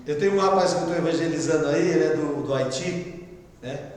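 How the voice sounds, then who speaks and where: A Brazilian man teaching a Bible class as pastor, reading a text and explaining it in a conversational way with quiet asides. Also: on the high side, fairly quick. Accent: Brazilian Portuguese. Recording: echoey room with long reverb.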